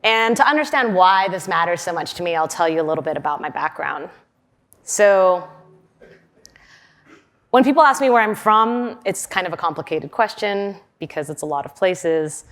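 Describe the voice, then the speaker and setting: A woman in her forties, raised in Western Canada, giving a conference keynote in a chatty way with fillers and laughs. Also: moderate pace. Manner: chatty, with fillers and laughs, lively pitch swings. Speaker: conference speaker. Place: large conference hall.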